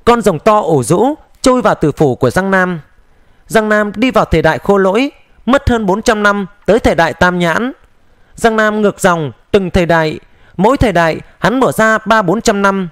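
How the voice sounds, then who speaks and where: A man narrating a fantasy novel as an audiobook in a smooth, steady storytelling manner. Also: high voice, moderate pace, no room sound, clean studio sound. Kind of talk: dramatized audiobook reading of a xianxia novel.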